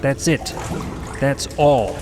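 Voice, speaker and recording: A man's voice: mid-range voice, animated, slow. An actor playing a wise, exasperated male cosmic mentor in a fantasy audio drama, pontificating with dry, impatient asides. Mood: serene, instructive. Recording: long cavernous reverb under loud music.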